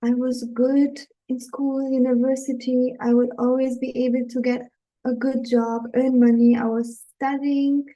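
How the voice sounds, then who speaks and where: A woman's voice: high voice, level tone, measured pace, dark tone, muffled recording. A woman from Germany, a dating coach, speaking to viewers in an earnest, encouraging live webinar talk.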